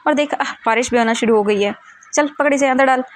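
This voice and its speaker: A woman voicing sleazy, menacing young men who taunt slowly and smugly. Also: high voice, slight background noise, lightly acted. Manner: slow, smug, taunting.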